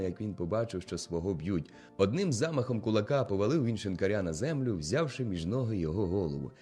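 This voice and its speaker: Low-voiced male audiobook narrator. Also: darkish tone. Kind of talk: audiobook reading of a classic novel.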